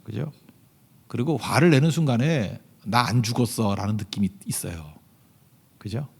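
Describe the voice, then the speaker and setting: A man, a pastor, preaching a sermon in a church service in a conversational way, full of rhetorical questions, with sudden swings between loud emphatic lines and quiet asides. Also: mid-range voice, moderate pace, vocal fry, breathy edge.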